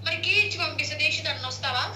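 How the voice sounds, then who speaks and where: A woman with a very high, bright voice speaks on a private phone call. She pleads and insists at a rapid pace. The call recording is echoey. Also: fairly even intonation.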